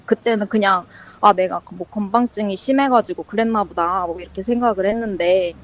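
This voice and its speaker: A woman's voice: mid-range voice, a little fast, a little hiss or hum. A woman casually telling a ghost story as a guest, rambling and full of fillers, acting out the lines she quotes. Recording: dull lo-fi sound.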